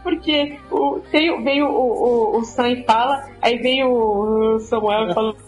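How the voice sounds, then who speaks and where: A woman co-hosting a casual chat show, excitable and laughing often, acting out the lines she retells. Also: a little high, unhurried, soft background music, low-quality recording. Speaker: podcast co-host.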